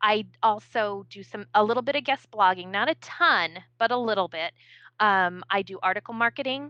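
With an American accent, this is a normal speaking voice at a moderate pace, showing ordinary pitch variation and big swings in loudness. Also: woman, fairly high pitch for a woman. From California. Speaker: blogger and online business owner in scrapbooking. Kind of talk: interview.

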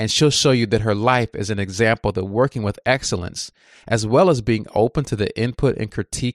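Speaking in a normal speaking voice with an American accent, a man keeps a moderate pace and medium pitch, the sound dry and close with no echo over a quiet background. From Texas. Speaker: podcast host. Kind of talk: podcast intro; interview.

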